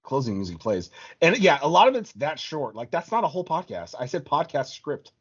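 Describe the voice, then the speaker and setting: Male podcast co-host, informal and sweary, very lively intonation, slightly muffled recording. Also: a little high, a little fast, breathy edge. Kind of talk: casual chat.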